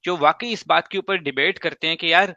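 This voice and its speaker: Bright emphatic man, dull lo-fi sound. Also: fairly high pitch, no room sound. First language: Urdu. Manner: emphatic, explains with examples and quick asides. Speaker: host. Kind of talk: casual advice talk.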